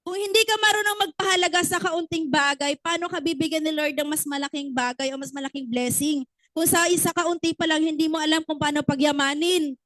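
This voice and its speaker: A woman's voice: high voice, fairly even intonation, brisk, a bit bright, no echo, rough recording. A woman giving a motivational business training talk, often asking the audience questions and acting out little stories.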